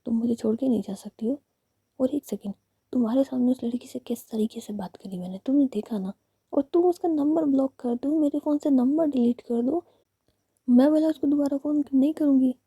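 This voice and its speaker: A woman whispering the part of a carefree young woman student who coaxes her upset girlfriend, in a husky voice. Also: high-pitched, brisk, warm tone, no room sound, studio quality, voice pushed up. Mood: coaxing. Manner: coaxing, whispered.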